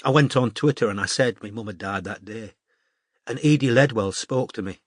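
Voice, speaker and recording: A man voicing a troubled teenage girl with a northern English accent, talking in a halting, confessional way. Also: lowish voice, dry recording, studio quality, close to an everyday voice. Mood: hushed. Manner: tearful, halting confessional talk.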